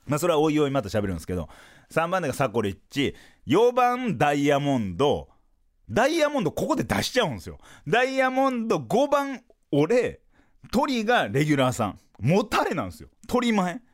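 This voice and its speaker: A man's voice: a little high, a little fast. A man with a Kansai accent, hosting a podcast and telling a comic story with lots of acted-out quotes. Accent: Kansai Japanese. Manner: animated, lively storytelling with voiced-out quotes. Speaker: podcast host, comedian.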